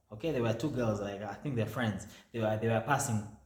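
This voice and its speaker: A man's voice with audible room echo. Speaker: vlogger telling personal story. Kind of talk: storytime monologue. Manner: soft-spoken; halting, repeats words.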